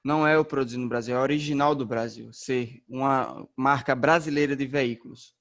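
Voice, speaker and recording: A young man from northeastern Brazil, a racing driver, answering interview questions in a relaxed, slangy way with many fillers. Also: mid-range voice, normal speed, lo-fi sound. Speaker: race car driver, interview guest.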